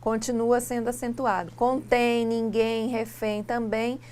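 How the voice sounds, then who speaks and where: A woman teacher from Brazil explaining grammar rules in a lesson, asking rhetorical questions and pronouncing example words slowly. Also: fairly high pitch, flat delivery, darkish tone. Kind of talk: classroom lesson dialogue.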